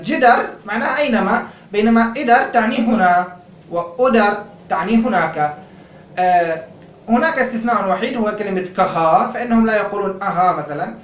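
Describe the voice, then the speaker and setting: Guy teaching a language class, drilling words over and over, mic kinda far off. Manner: repeats words slowly, raising pitch on the drilled words. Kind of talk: language lesson, drilling word pairs. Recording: roomy, distant mic, faint noise.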